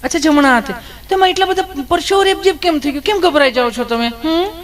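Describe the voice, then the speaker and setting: A man's voice: extremely high pitch, quick pace, fairly bright tone, pitched above the performer's own voice. A man putting on a sweetly probing nurse lady. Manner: coaxing, repeats a questioning "hmm?". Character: sweetly persistent female nurse.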